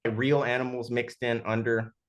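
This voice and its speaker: A man speaking casually and haltingly as a sound designer in an interview, thinking aloud as he explains. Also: medium pitch, level tone.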